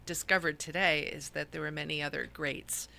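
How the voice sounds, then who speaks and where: A woman guest on a radio show, chatting in an animated way and laughing easily. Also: sits low, normal speed, gravelly, slight background noise. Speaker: studio guest. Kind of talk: radio interview chat.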